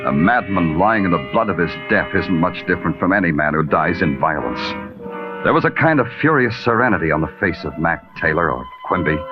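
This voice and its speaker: An actor playing a terse, hard-boiled male police detective who also narrates a 1940s radio drama in a brooding way. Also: sits low. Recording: muffled old radio recording with loud music.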